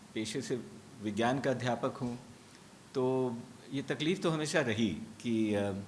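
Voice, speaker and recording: His pauses are long and frequent. The man's pitch sits in the medium range, with ordinary pitch variation. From India, Kolkata. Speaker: poet and science teacher. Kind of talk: informal address to audience. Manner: halting, many fillers.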